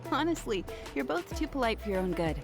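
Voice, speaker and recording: A woman's voice: sits high, very animated, brisk, vocal fry, music in the background, heavily acted. A woman voicing a kind, anxious jeweler in a video game who rambles apologetically. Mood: worried. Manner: earnest, apologetic, rambles when worried.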